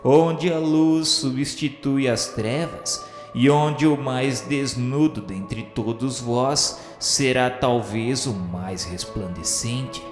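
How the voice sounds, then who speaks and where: A man's voice: mid-range voice, takes it slowly, hardly any pauses. A Brazilian man giving solemn, declamatory narration of a religious radio novel in literary language. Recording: long reverberant hall sound, music behind. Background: soft instrumental music.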